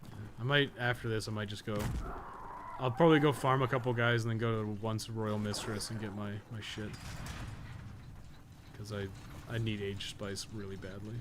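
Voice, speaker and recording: A man's voice: fairly low pitch, little pitch movement, normal speed, long pauses, noisy background. Blunt, sweary male game streamer. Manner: blunt, sweary, rambling opinions. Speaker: game streamer and podcast host. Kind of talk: casual live game stream chat.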